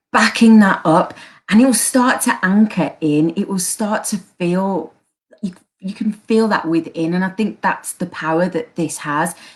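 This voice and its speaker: A woman with a Birmingham accent speaks at a fairly slow pace in a somewhat breathy voice, with a medium pitch and ordinary pitch variation. The recording is very clean, with a silent background. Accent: Brummie. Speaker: life coach. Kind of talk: interview. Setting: live video stream.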